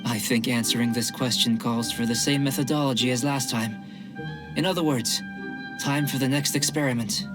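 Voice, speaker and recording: An actor playing a calm, curious young male alchemist who speaks in precise, polite scientific phrasing. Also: mid-range voice, moderate pace, natural voice. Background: game music.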